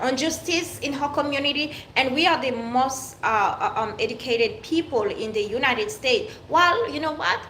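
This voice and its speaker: A woman's voice: fairly high pitch, fairly bright tone, echoey room, a little hiss or hum, rough recording. A woman from Haiti, raised in France, speaking with a French-tinged accent in an unscripted personal monologue to her viewers, emphatic and repetitive with frequent restarts. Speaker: vlogger.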